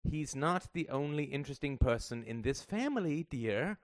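A man's voice: fairly high pitch, expressive, moderate pace, no echo, studio quality, pitched above the performer's own voice, lightly acted. A man voicing a tight-lipped mother who sounds strained and evasive.

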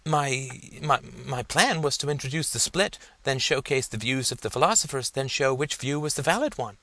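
A man's voice: mid-range voice, expressive, normal speed, pushed and bright, dry recording, voice pushed up. A man playing an earnest, insecure young male student who stammers and hesitates.

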